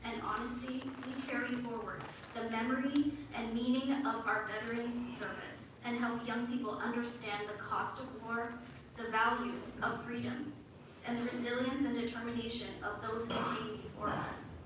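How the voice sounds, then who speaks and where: A woman delivers a prepared commemorative speech in a measured, earnest way. Her voice sits a little high and reaches the mic from a distance. A very echoey hall and steady background noise surround her. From United States. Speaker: guest speaker. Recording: echoey hall, voice from far off, noisy.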